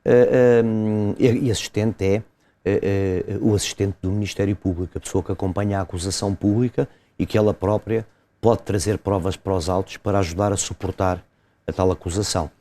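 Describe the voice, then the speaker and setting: A man, a lawyer explaining a legal case step by step in an interview, pausing and hesitating often. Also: on the low side, fairly even intonation, warm tone. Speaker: lawyer commenting as guest.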